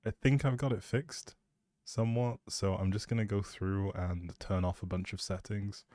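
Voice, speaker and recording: A man's voice: fairly low pitch, steady tone, normal speed, mellow, no echo. A man hosting a livestream, rambling casually and chattily, often breaking off mid-thought, speaking close to the mic. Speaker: live streamer, host.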